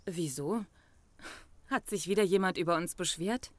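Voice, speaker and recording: A woman's voice: fairly low pitch, moderate pace, dry recording, close to an everyday voice. An actress playing a guarded, earnest young woman who runs a farm retreat in a crime radio play. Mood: guarded, defensive. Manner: defensive, earnest. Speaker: actor in crime audio drama. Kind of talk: German crime audio drama acting.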